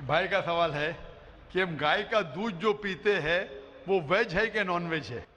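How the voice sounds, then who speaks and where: A man's voice: sits high, unhurried, pushed and bright, slight background noise. A middle-aged man preaching to a large crowd on an arena stage, explaining points emphatically into a stand microphone and often checking that listeners understand. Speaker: Islamic preacher answering audience questions. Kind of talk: public question-and-answer lecture. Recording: long hall reverb.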